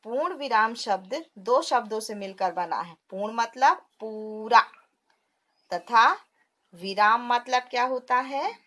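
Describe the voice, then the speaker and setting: Lady teacher, kinda high voice, explains step by step and answers her own questions, mixes in words. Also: animated, takes it slowly, pushed and bright. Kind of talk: classroom grammar lesson.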